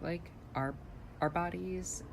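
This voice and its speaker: A man's voice: high voice, steady tone, slow pace, vocal fry, background noise. A young trans man co-hosting a podcast, blunt and joking with a lot of swearing. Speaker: podcast co-host. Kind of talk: casual podcast chat.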